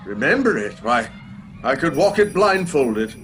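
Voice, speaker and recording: A man's voice: mid-range voice, very animated, unhurried, a bit bright, slight background noise. Man playing an emotional, swooping old miser. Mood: flustered. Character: Scrooge, miserly old man softened by memories. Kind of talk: dramatic radio play acting.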